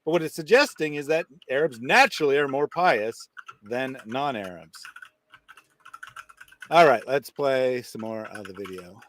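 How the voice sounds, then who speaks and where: A man co-hosting a commentary chat, explaining his points in a dry, measured way. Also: medium pitch, animated, fairly bright tone, a little hiss or hum. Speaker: co-host.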